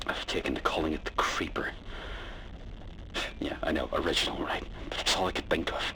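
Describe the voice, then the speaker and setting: A man playing a weary, frightened but stubborn survivor stranded on a spaceship, recording a halting, hushed audio log. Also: very deep voice, a little hiss or hum, low-quality recording. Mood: brooding, weary. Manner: halting, hushed, breaking into whispers. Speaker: solo role-player playing a character. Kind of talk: in-character audio log narration.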